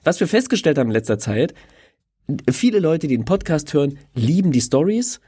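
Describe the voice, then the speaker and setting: A man's voice: on the high side, very animated, a little fast, warm tone, slightly rough. A man co-hosting a podcast about a card game, casual and playful, laughing often. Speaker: podcast co-host.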